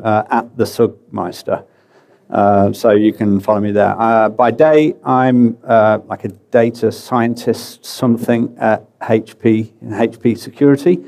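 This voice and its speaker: A British man giving a relaxed, chatty conference talk, full of fillers and self-deprecating asides. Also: medium pitch, vocal fry. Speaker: conference speaker. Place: conference hall.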